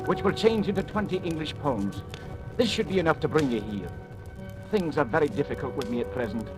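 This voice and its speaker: An actor playing a lonely husband reading his letter to his wife in plaintive 1940s radio acting. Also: on the high side.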